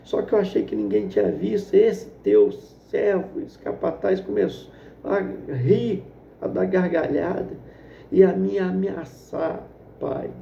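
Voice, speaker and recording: A man's voice: sits high, expressive, measured pace, gravelly, warm tone, slight background noise, heavily acted. A man voicing a frightened young son who pleads and confesses in tears, recorded in an echoey room with a dull lo-fi sound. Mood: remorseful. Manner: pleading, tearful. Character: frightened young male student son, remorseful.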